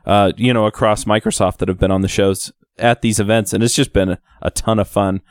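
A man's voice: fairly low pitch, steady tone, brisk, no room sound, clean studio sound. A man guesting on a podcast, friendly and enthusiastic as he talks about meeting people at events. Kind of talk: casual interview chat.

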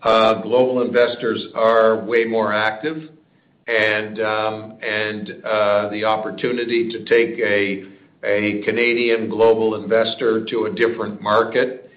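Male senior executive, low-ish and monotone, measured answers over a muffled, echoey conference line. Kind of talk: answering analyst questions on a conference call.

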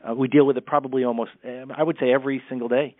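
A man speaking as a speech coach, brisk and candid in his advice. His voice comes through a thin, tinny line that sounds phone-like. The sound is dry and close, with no room around it. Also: medium pitch, fairly even intonation, no echo. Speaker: communication coach. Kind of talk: podcast interview.

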